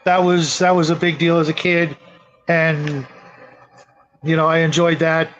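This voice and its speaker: Higher-voiced middle-aged man, lo-fi stream audio. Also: flat delivery, a little slow, a bit bright. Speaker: show host. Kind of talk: casual live-stream chat. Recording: dull, lo-fi audio.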